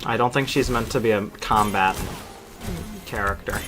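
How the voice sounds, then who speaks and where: A man's voice: on the low side, fairly even intonation, moderate pace. A man giving casual live commentary as a game streamer. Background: game music, keyboard clicks.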